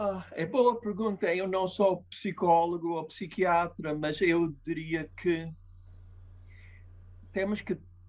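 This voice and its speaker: A man with a high pitch talks at a very slow pace, leaving long, frequent pauses, his intonation fairly even. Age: 60s. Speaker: writer. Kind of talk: interview conversation.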